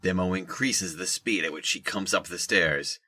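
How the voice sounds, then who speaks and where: Low-voiced man narrating a drama. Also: normal speed, pushed and bright, breathy edge, dry recording, studio quality. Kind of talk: scripted audio drama narration.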